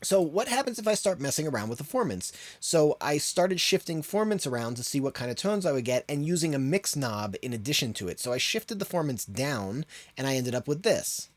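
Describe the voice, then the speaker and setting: A man's voice: a little high, sing-song, fairly quick, few pauses, no room sound. A man hosting an audio production tutorial in an informal, conversational way. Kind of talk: casual spoken tutorial.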